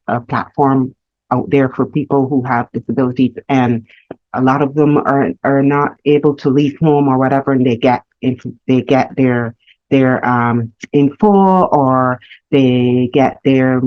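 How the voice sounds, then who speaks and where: A woman from Barbados, telling her life story as a guest, earnest and reflective with halting restarts. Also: very deep voice, no room sound. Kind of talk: candid personal storytelling. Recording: slightly muffled lo-fi audio.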